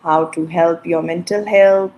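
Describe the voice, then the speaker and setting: A middle-aged woman doctor from Pakistan, explaining things in short, halting fragments in a casual video-call interview. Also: lowish voice, steady tone, darkish tone, a little hiss or hum, low-quality recording. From Pakistan, Punjab. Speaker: guest, medical doctor.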